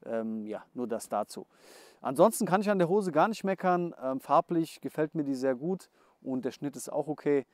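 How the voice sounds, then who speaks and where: A young man giving a casual outdoor gear review, chatty and hurried, with many hesitation fillers. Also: on the high side, lively intonation, a little mellow, dry recording. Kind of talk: casual product review, voice-over then to camera. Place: outdoors at dusk.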